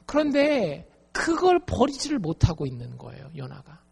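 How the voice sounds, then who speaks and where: A woman's voice: on the low side, normal speed, vocal fry, slightly rough. A woman pastor giving a sermon, speaking straight to her congregation and acting out the quoted lines with strong feeling. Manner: expressive preaching, addresses congregation directly, acts out quoted lines. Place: church sanctuary. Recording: long echo of a church hall.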